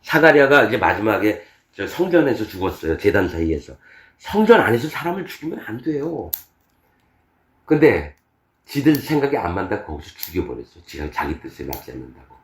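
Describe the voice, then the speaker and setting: A male pastor preaching a sermon, animated, acting out scripture voices with laughs and shouts. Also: on the low side, brisk, echoey room. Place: church.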